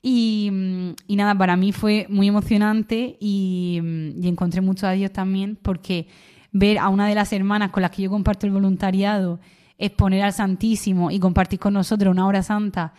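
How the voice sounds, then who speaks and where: Young woman guest, earnest testimony, halting with fillers and restarts, mid-pitched voice. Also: level tone, darkish tone. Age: young adult. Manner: emotional storytelling with many fillers and restarts. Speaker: interviewee, university student. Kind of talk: personal testimony in conversation.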